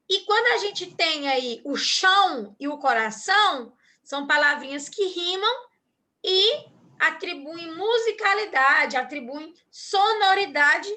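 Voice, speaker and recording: Bright, high-voiced woman teaching slowly. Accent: Brazilian Portuguese. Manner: patient, checks understanding often. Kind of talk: online class explanation.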